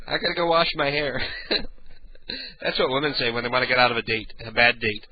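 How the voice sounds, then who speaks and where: Raspy older man hosting radio. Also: fairly quick, highs cut off. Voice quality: raspy, booming. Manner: rambling storyteller, frequent throat clearing. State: clogged ears and sinuses. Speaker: radio talk show host. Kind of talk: casual late-night radio talk, profane.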